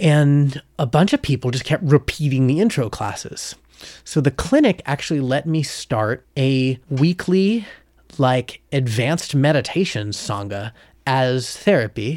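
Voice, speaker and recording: Heard on a very clean recording with a silent background and a dry, close sound without echo, a man with a plain, everyday voice speaks fairly slowly at a fairly high pitch with lively intonation. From Arizona, US. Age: 30s. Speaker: meditation teacher and clinical psychologist. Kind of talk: casual interview conversation. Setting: studio.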